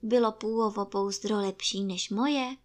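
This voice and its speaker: A woman voicing an eager, excited little boy who asks pleading questions. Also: medium pitch, close to an everyday voice.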